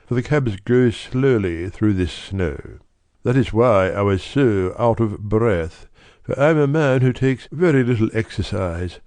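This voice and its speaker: A man's voice: fairly low pitch, darkish tone, no room sound. A man voicing a distraught, dignified middle-aged banker pleading his case earnestly. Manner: agitated, earnest, breathless pleading.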